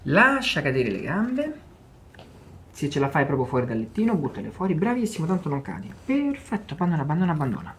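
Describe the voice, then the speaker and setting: A man with an Italian accent, a chiropractor calmly coaxing a patient through adjustments with soft, repeated encouragements. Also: on the high side, fairly quick, a little hiss or hum. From Italy. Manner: soothing, repetitive coaxing.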